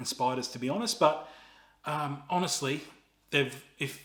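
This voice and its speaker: The pace is moderate. A man's pitch shifts with ordinary variation. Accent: Australian. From Australia, Gold Coast. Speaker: travel vlogger. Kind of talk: casual tutorial. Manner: many filler words (um, you know).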